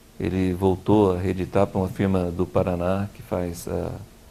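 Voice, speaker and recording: In a room with audible echo, a man speaks at a moderate pace with a very deep, low pitch and a dark, mellow tone. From interior of São Paulo state, Brazil. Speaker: furniture designer. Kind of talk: lecture.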